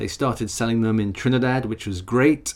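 Speaking at a fairly quick pace, a man has a fairly low pitch and a plain, everyday voice. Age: middle-aged. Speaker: podcast host, tabletop gamer. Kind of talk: solo podcast monologue, casual. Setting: home recording, voice recorder on table. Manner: casual, rambling, self-correcting.

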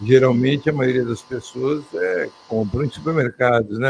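His voice is somewhat breathy, with a medium pitch and ordinary pitch variation. The man keeps a moderate pace. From Santos region, São Paulo state, Brazil. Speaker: business association president. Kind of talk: radio talk show discussion.

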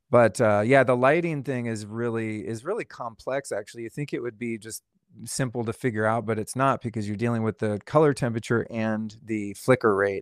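In a Californian accent, the speaker talks at a fairly quick pace with fairly even intonation, in a dry, close sound with no echo on a very clean recording with a silent background. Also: man, medium pitch for a man. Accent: Californian American. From Los Angeles. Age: 50s. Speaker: lifestyle influencer. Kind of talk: interview.

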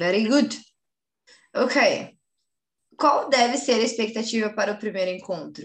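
Somewhat breathy, the voice moves at a fairly slow pace with ordinary pitch variation and long, frequent pauses. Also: woman. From Brazil, Paraná (Londrina). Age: 20s. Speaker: podcast co-host. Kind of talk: casual chat.

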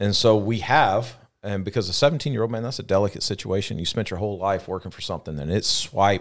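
Talking at a very fast pace with hardly any pauses, a man with an American accent uses a fairly low pitch and ordinary pitch variation on a very clean recording with a silent background. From US South. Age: 40s. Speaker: quarterback trainer. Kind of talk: casual chat. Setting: studio.

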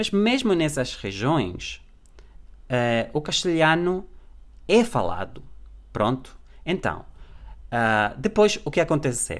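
The speech moves at a very slow pace with long, frequent pauses and very wide pitch swings. The recording is very clean with a silent background. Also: man, fairly high pitch for a man. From Canary Islands, Spain. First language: Spanish (speaking Portuguese). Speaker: language teacher. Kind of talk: educational podcast lecture. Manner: halting, with frequent fillers.

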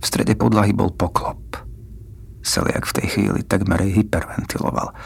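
A man speaks in a dramatic, menacing tone against noticeable background noise. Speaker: true-crime narrator. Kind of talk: true-crime horror narration, first-person as a Nazi occupier. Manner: grim, slow, suspenseful, dramatic storytelling; cold, detached, menacing.

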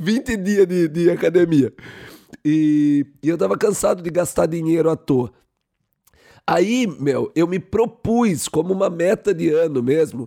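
Speaking fairly slowly, a man uses a high pitch, lively intonation and a dark, mellow tone. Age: 30s. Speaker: podcast host. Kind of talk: casual chat.

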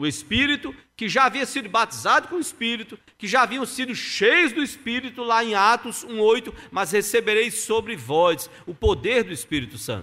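A raised, projected voice with a bright, sharp tone moves at a moderate pace with lively intonation. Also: man. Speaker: pastor. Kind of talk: sermon, expository preaching from scripture, with direct address to the congregation. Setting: church, streamed online service. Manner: earnest, exhortative, building to emphatic repetition.

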